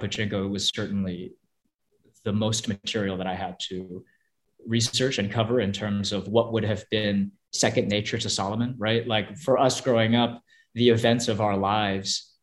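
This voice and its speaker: A young man with a lowish voice, a Korean-speaking actor, answers interview questions thoughtfully, often restarting and laughing softly.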